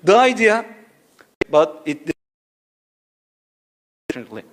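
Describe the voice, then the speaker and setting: Male academic speaker, fairly high voice, lecturing in an auditorium, rhetorical, keeps checking in with listeners. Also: very animated, slow pace. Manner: rhetorical, checks in with "right?" and "you see". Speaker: conference speaker.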